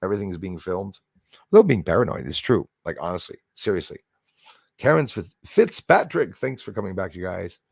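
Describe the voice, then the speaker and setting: Chatting casually on his livestream, a man greets viewers in chat and rambles on in a chummy, conversational manner. He speaks low and a little fast, with big swings in pitch and a gravelly, husky texture; the recording is dry and studio quality.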